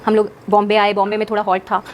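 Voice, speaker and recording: A woman speaking quickly as a podcast guest, recounting a personal story in an earnest, rambling manner and mixing English words into her sentences. A faint hum of room ambience sits behind her voice. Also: mid-range voice, completely flat delivery. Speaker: guest, singer.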